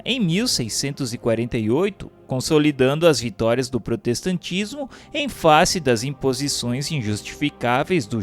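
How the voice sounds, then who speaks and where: Man narrating solemnly, lively pitch. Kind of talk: solemn scripted narration of a spiritist history text. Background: music.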